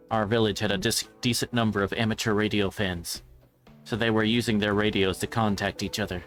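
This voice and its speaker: Low-voiced man reading a story aloud. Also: fairly bright tone. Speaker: streamer reading a visual novel aloud. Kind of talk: scripted narration read aloud live. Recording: background music.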